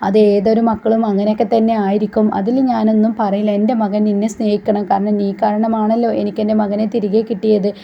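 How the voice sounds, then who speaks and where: A woman's voice: mid-range voice, level tone, fast talker, gravelly, hardly any pauses, slight background noise. A woman host chattily retelling a TV serial's plot with frequent fillers, on a dull lo-fi recording. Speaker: channel host.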